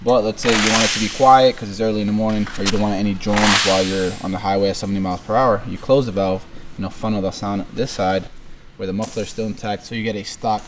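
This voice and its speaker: A man's voice: on the low side, steady tone, fast talker. A man vlogging casually in an auto repair garage, explaining work on his car to the camera. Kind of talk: casual shop talk. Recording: noisy garage ambience.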